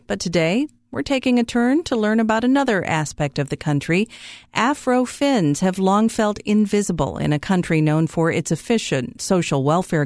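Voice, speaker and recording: A female radio host reading a scripted introduction to a news feature in a measured way. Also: medium pitch, a little mellow, dry recording, clean studio sound. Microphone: studio microphone.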